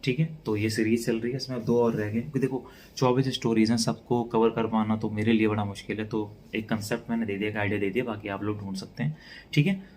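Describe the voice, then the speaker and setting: Male tutor, lowish voice, calm lecture pace, faint hiss behind. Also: fast talker. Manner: mixes Hindi with English, talks calmly and softly. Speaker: teacher. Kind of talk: relaxed exam-prep lecture. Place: indoors at night.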